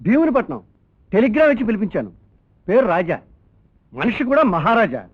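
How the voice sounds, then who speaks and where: A man in a film scene, teasing and full of wordplay, giving lines in quick comic dialogue. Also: high-pitched, huge pitch swings, slightly rough, no echo. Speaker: scheming elderly guardian in a comedy film. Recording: dull lo-fi film audio with music.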